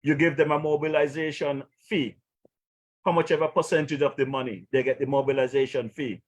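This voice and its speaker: Outspoken male talk host with a Caribbean accent and a slightly high voice, delivering indignant political commentary. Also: steady tone, fairly quick. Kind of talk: political commentary on a live stream.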